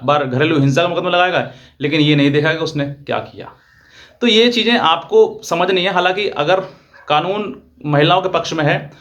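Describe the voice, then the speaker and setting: A man's voice: fairly high pitch, a bit bright. Earnest man giving legal advice. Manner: earnest, repeats and rephrases points, addresses viewers directly. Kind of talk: direct-to-viewer advice talk.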